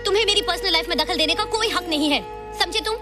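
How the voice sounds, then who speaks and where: A woman's voice: very high-pitched, quick pace, over music. An actress playing an outspoken, independent young woman who answers sharply and mixes in English. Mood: defiant. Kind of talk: Hindi film dialogue.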